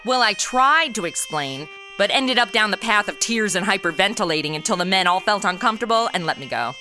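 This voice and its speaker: A woman's voice: mid-range voice, animated, brisk, music in the background, close to an everyday voice. An actress playing a sarcastic, slangy modern young American woman stuck in an old radio noir comedy, narrating and bantering with exasperation. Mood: wry. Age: young adult. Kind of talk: comedic audio drama, first-person narration and dialogue.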